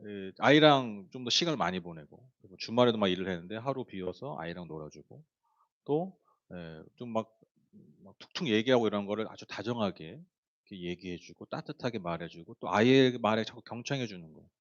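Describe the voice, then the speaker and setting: A man delivers a sermon in a relaxed, storytelling manner, filling his sentences with small hesitations and turning often to address his listeners. His voice sits on the low side. The recording sounds dull and lo-fi. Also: brisk. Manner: conversational storytelling, many fillers, addresses the congregation. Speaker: pastor.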